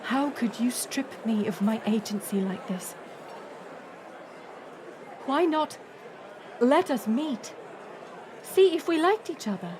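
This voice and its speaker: A woman's voice: on the high side, lively intonation, slow, pauses often, darkish tone, slight background noise. A woman playing a fiery, defiant young princess in a dramatic audio roleplay, indignant and bitingly sarcastic. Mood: betrayed, bitter. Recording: music and crowd murmur behind. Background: music and banquet crowd.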